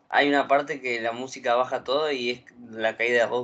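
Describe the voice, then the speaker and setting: His voice has medium pitch and a bright, sharp tone. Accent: Rioplatense. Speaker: podcast co-host. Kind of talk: casual chat.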